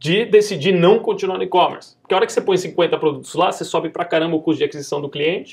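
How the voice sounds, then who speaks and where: With very wide pitch swings, a man's speech races along at a very fast pace. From Brazil. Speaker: company executive. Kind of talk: interview. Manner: halting, many fillers.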